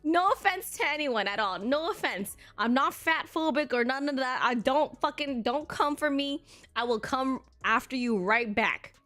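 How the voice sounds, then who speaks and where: A woman streamer of Filipino heritage rambles to her chat in a high, sharp, bright voice. She talks bluntly and swears freely, laughing often. Faint music plays under her voice. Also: animated, moderate pace. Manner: blunt and profane, frequent laughter. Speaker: live streamer. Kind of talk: casual live-stream chat.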